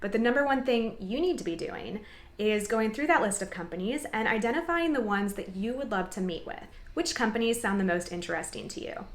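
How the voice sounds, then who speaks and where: A woman's voice: on the high side, fairly bright tone. A young adult woman giving advice in an upbeat, encouraging, tidy vlogger manner, addressing viewers directly. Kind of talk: upbeat advice vlog to camera. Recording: echoey room.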